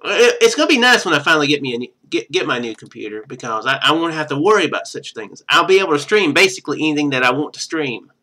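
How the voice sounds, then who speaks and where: Male streamer, higher-pitched and animated, reading a visual novel aloud with loose conversational asides. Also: quick pace, hardly any pauses. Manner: rambling, chatty asides between read passages. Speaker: game streamer.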